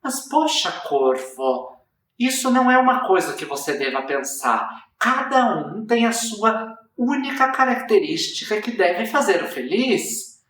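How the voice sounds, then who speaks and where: A Brazilian Portuguese speaker voicing a kind, wise mage who gives advice in a gently reassuring way. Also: mid-range voice, big pitch swings, measured pace, pitched above the performer's own voice. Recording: roomy echo, distant mic.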